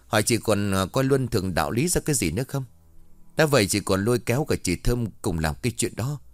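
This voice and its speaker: A man's voice: lowish voice, expressive, fast talker, no room sound, faint music behind, lightly acted. A man voicing an indignant middle-aged younger son in a ghost story, lecturing and reproachful.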